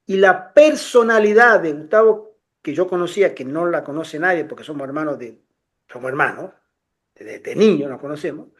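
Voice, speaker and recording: Animated middle-aged man telling a story. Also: fairly high pitch, moderate pace. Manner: animated, restarts often, acts out voices in his anecdotes. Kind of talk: casual storytelling conversation.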